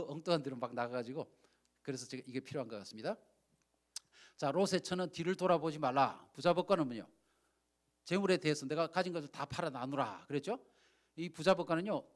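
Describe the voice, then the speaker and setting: Male pastor, middle-aged, high and swooping voice; acts out his stories while preaching. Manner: animated storytelling, acts out quoted speech, asks the audience questions. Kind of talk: sermon.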